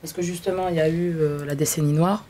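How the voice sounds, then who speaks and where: A woman's voice: low voice, fairly even intonation, fast talker, mellow, slight background noise. A woman radio host who grew up in Algeria, asking earnest interview questions and reading out listener messages. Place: radio studio.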